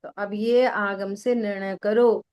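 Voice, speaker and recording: A woman's voice: mid-range voice, steady tone, takes it slowly, a little mellow, clear, resonant tone, muffled recording. A middle-aged woman teaching a spiritual discussion, answering questions patiently with everyday examples and repeated phrasing.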